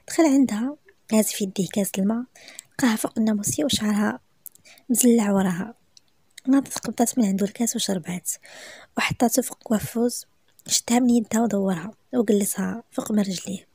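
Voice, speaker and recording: Fast, gravelly Moroccan woman storyteller. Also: medium pitch, warm tone, no room sound. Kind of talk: story narration.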